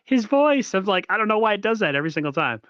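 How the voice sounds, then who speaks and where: A man's voice: sits high, big pitch swings, fast talker, fairly bright tone, no echo. Froggy-voiced man in casual sports chat. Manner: talkative, reads viewer comments aloud. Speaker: podcast co-host. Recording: slightly dull, dry audio.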